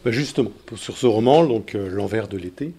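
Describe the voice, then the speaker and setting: A man hosting a local radio show, opening with a formal scripted introduction and measured questions. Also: on the low side, expressive, warm tone, slightly rough. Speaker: radio host.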